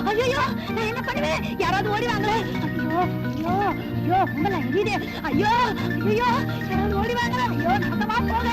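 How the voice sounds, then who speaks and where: An actress playing a quick-tempered village woman who shrieks and wails her complaints, in a film soundtrack. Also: very high voice. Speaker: shrewish woman of the house. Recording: film soundtrack with music underneath.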